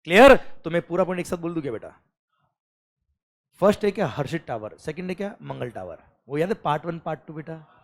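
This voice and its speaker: A man teaching a lecture in an animated, coaxing way, often calling the students "beta" and reading legal text slowly, word by word. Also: fairly high pitch. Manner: animated, coaxing, mixes English phrases, calls students beta.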